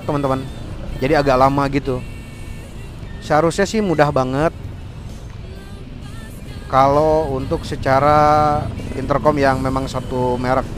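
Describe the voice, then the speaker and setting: A man giving a chatty review while riding his motorbike, talking about himself in the third person, recorded through a helmet intercom mic. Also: on the high side. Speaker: motorcycle vlogger reviewing gear. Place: on a motorbike outdoors in traffic. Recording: faint road and traffic noise behind.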